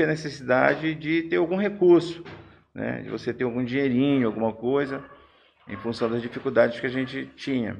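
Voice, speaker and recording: Medium pitch in a man's voice, an unremarkable speaking voice. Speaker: teacher. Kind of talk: casual chat.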